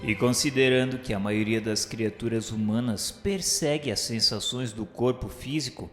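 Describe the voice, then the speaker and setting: A man with a Brazilian accent reads a scripted radio novela narration in a formal, measured, didactic way. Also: medium pitch. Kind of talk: scripted dramatized narration, solemn literary reading. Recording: echoey hall reverb, music underneath. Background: music.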